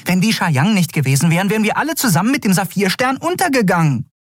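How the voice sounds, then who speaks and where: Male narrator as a small winged female creature: very high, frantic, shrill, storybook style. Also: lively intonation, moderate pace, dry recording, studio quality. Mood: panicked. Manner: panicky, shrill outbursts.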